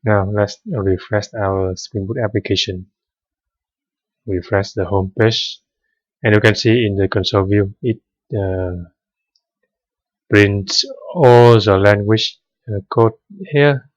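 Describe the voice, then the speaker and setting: A man's voice: on the low side, fairly even intonation, slow pace, pauses often, no room sound, lo-fi sound. A man whose first language is Vietnamese, explaining code step by step in a screen-recorded tutorial with many hesitant fillers. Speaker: programming tutor.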